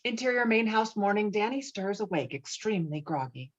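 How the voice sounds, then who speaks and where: A woman reads a screenplay's stage directions during an online table read, her medium-pitched voice brisk and expressive. The video call audio is muffled and lo-fi, with slight background noise.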